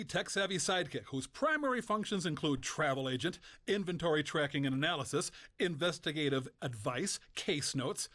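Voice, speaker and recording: A man's voice: fairly high pitch, a bit bright, exaggerated voice. A man voicing a chatty, cheeky robotic personal assistant in a video game, with perky, teasing patter. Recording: music under the voice.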